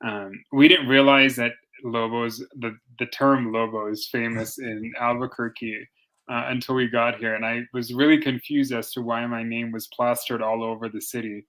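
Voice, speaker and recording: Chatty man from India, animated. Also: medium pitch, moderate pace, low-quality recording. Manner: animated, self-deprecating storyteller with frequent fillers. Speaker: lawyer guest. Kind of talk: casual interview chat.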